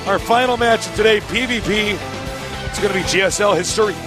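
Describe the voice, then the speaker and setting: A hoarse man co-hosting an esports broadcast, his voice sitting high for a man. He keeps the banter quick and joking from a busy exhibition floor, with faint music behind him. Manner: joking, upbeat, quick asides. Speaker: co-caster and host. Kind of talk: casual esports casting banter. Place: exhibition hall stage area.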